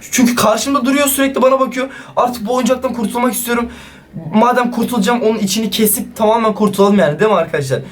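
A male YouTuber with a high voice runs a casual gaming vlog. He talks in an excitable, slangy way and keeps turning to his viewers. Faint music plays underneath.

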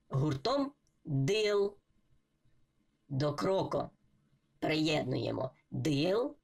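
A woman's voice: low-pitched, creaky. A woman teaching children to read, patiently spelling words out letter by letter and syllable by syllable. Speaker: reading teacher. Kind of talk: slow syllable-by-syllable reading lesson.

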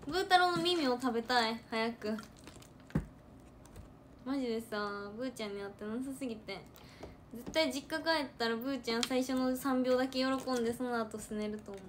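A young woman from Hyogo with a Kansai accent, chatting casually on a livestream into a phone, animated and repeating words for emphasis. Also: fairly high pitch, background noise. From Hyogo, Japan. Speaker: idol trainee livestreamer. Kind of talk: casual livestream chat reading comments.

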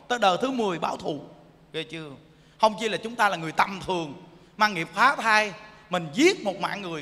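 Man, Buddhist monk's sermon, bright tense voice, animated and teasing, reverberant hall. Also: sits high. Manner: animated, teasing, keeps asking the audience "understand?". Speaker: Buddhist monk preaching. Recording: echoey hall.

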